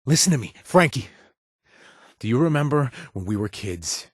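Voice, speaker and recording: A man's voice: mid-range voice, big pitch swings, moderate pace, slightly rough, no room sound, clean studio sound. A man voicing a weary, streetwise game companion who pleads emotionally with his lost brother, his voice rising when desperate. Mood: urgent pleading. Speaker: companion character in a video game. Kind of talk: game voice acting.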